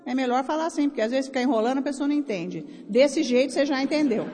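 Brazilian woman preacher, blunt exhorting delivery, slightly high voice, echo of a big church hall. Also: darkish tone. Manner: blunt, exhorting, speaks to the crowd. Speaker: preacher raising offerings at a conference. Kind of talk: sermon. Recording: long hall reverb.

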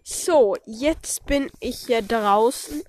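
A woman's voice: a little high, drawn-out words, background noise. A woman with a stuffy nose from a cold, chatting casually into a phone mic outdoors at a snowy horse stable and rambling through her chores with restarts. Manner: rambling, thinks aloud with restarts. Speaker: podcaster. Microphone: phone with a plugged-in cable mic.

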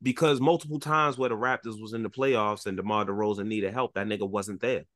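A man's voice: lowish voice, fairly even intonation, brisk, a bit bright. A man with an African American accent in casual, slangy sports talk as a podcast co-host, insistent and often repeating himself. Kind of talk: casual sports chat with friends, slangy and profane.

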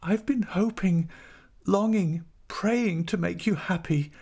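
A man's voice: fairly high pitch, expressive, normal speed, dark tone, husky, pitched above the performer's own voice. A man voicing a desperate, pleading young wife, devoted and frightened, in a dramatic audiobook reading. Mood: anguished devotion. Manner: imploring, emotional.

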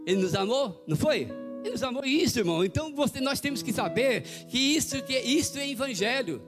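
Man, pastor, rapid-fire sermon, acts out voices in his stories, guitar playing behind. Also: very high-pitched. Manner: animated storytelling, acting out quoted voices. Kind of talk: evangelical sermon. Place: church. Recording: sermon over live guitar music.

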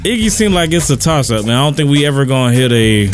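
Host: man, mid pitch, very lively delivery, slangy, faint music behind. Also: fast talker. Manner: animated, slangy, says "man" a lot. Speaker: podcast co-host. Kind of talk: casual podcast banter.

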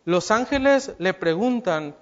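A man's voice: high voice, animated, measured pace, highs cut off. A man preaching a sermon, speaking straight to his listeners with rhetorical questions and acting out the lines he quotes.

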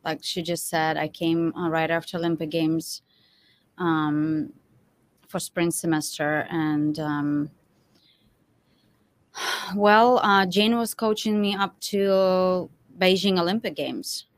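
A woman's voice: on the low side, fairly even intonation, slow, dry recording. A woman who is not a native English speaker, a guest chatting casually in short, hesitant phrases. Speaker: former athlete, podcast guest. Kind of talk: casual conversation.

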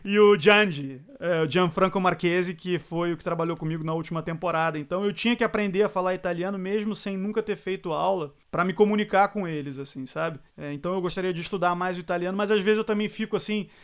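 A man, a sports journalist chatting as an interview guest. He is animated, laughs often and drops words from other languages. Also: high-pitched, fast, hardly any pauses, clean tone. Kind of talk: casual interview chat.

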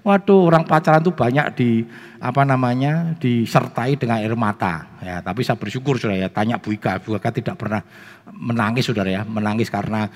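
A middle-aged man with a Javanese accent preaching a sermon, animated and constantly addressing the congregation directly. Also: mid-range voice, brisk, big-room sound. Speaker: pastor.

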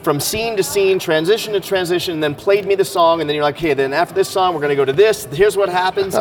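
A man hosts a casual interview podcast and talks to his guest with open enthusiasm. His voice sits a little high, and he laughs easily as he chats. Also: fast. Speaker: podcast host.

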